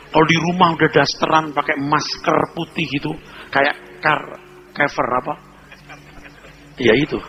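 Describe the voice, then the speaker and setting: A male pastor preaching a humorous sermon, telling lively stories and acting out little scenes. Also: fairly high pitch, slight background noise, low-quality recording.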